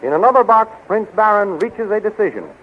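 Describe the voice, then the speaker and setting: High-pitched vintage radio serial narrator. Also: male voice, very animated, fairly quick. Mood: dramatic. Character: dramatic adventure serial announcer-narrator. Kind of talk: dramatic scripted 1930s radio serial narration. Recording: tinny, hissy 1930s radio recording.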